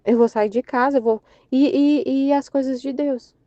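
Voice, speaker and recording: A woman with a Brazilian Portuguese accent giving a casual spoken testimony in a faith study group, rambling and halting with many fillers and restarts. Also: sits high, steady tone, mellow, dry recording. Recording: dull lo-fi audio.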